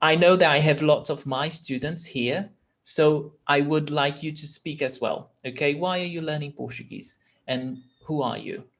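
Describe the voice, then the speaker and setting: A male language teacher explains things informally in short phrases. His pace is slow, with pauses, and his voice sits a bit high for a man. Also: creaky. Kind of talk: informal online lesson.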